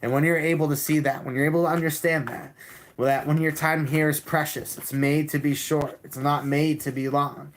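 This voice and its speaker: Male tarot streamer, calm and level delivery, repeats lines, restarts often. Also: a little high, fairly quick, slight background noise. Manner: calm, repetitive, with many restarts. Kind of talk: live-stream tarot reading and chat.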